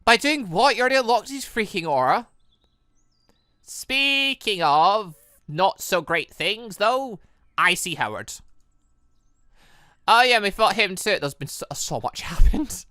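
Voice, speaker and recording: A young adult gaming host giving excitable, exasperated let's play commentary while reading visual novel dialogue aloud. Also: medium pitch, a little slow, long pauses, no echo, studio quality. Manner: excitable, exasperated reactions between read lines.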